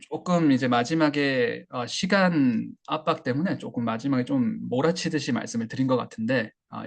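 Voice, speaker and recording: Male instructor, gravelly and husky, mid-pitched; relaxed lecturing with fillers. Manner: relaxed, explanatory, many fillers and restarts. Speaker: English listening instructor. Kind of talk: online class lecture.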